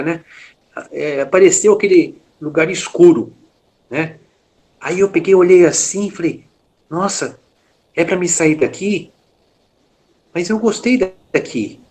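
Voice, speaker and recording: A man with a Brazilian Portuguese accent shares a personal testimony with an interviewer. His voice sits slightly high for a man. He talks haltingly, tagging phrases with fillers and restarting his sentences. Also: slightly rough. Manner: frequent filler "né", hesitant restarts. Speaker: interview guest.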